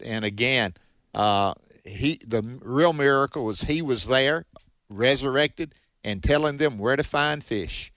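A man co-hosting a call-in radio Bible show, folksy and warm with callers, calling them brother. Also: mid-range voice, dry recording. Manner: folksy, affectionate, calls people brother.

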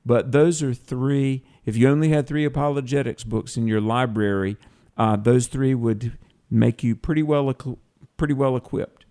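A man's voice: medium pitch, moderate pace, mellow. A man, talking as co-host of an evangelical call-in show. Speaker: radio co-host, Christian author.

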